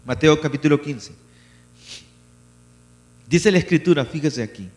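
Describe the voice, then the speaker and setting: Male pastor, fairly high voice, preaching in a hall with long reverb and mains hum. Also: measured pace. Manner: animated preaching, acting out voices of biblical characters. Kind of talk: sermon. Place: church hall.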